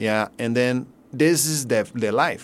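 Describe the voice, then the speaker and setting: A man speaks with a Portuguese accent. His pace is very slow. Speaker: former soccer player. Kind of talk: interview. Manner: halting.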